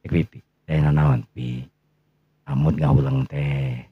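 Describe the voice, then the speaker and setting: A man voicing a shy, hesitant young man in love, soft and halting, with a Sundanese accent, in a story. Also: a bass voice, steady tone, breathy edge, dry recording, voice pushed down, full character voice. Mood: shy, tender. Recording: muffled, lo-fi recording.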